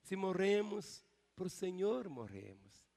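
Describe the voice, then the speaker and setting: An older pastor preaches a sermon in a large church, his voice high, sing-song, gravelly and a little mellow as he takes it slowly. His delivery is emphatic, with call-and-response that drives the congregation to repeat his words back. A long church-hall reverb trails every line.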